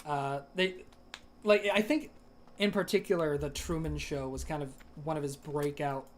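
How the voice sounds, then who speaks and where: A man's voice: fairly high pitch, fairly even intonation, normal speed, a little hiss or hum. A young man streaming a game, chatting casually and rambling through ideas with a dry throat. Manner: rambling, lots of fillers and restarts. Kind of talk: casual gaming stream chat.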